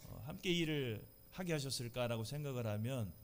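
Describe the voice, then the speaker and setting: A man at a very slow pace, with audible room echo. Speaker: pastor. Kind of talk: sermon.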